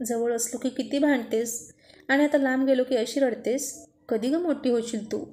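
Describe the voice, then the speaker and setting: A woman's voice: high voice, normal speed, warm tone, lightly acted. A woman voicing a teasing, affectionate husband who soothes his wife, in a storybook reading.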